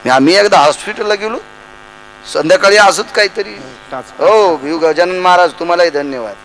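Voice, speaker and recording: A kirtan preacher with a voice that sits high speaks at normal speed, with slight background noise and poor audio. At a devotional gathering before a live audience, he tells humorous stories in his sermon, animatedly acting out the voices of the people in them.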